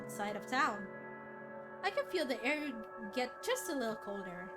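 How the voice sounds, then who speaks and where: Female streamer, high-pitched and lively, reading visual novel text expressively over prominent music. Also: moderate pace. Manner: expressive, acts out character dialogue. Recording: loud game music behind. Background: game music.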